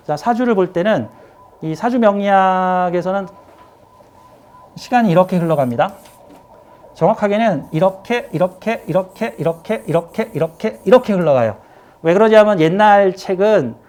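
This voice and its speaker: Slightly high-pitched male lecturer. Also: a little mellow. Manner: repetitive, emphatic pointing at a chart. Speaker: saju lecturer. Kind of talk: classroom lecture. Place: classroom.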